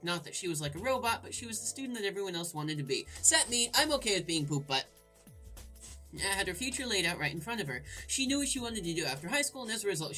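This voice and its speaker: Bright, animated woman doing game commentary. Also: medium pitch. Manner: irreverent, crude, jokey asides. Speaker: let's play host. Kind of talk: game commentary and reading aloud.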